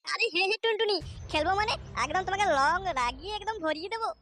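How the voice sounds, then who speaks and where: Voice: very high-pitched, expressive, very fast, background noise. An actor voicing a wary but easily tempted young boy, the sidekick in a comedy cartoon. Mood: eager, teasing. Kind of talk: comic cartoon dialogue.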